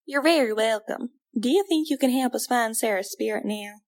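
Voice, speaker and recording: A woman's voice: fairly high pitch, moderate pace, natural voice. A woman playing an earnest, trusting young adventurer in an audio drama. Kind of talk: audio drama character acting.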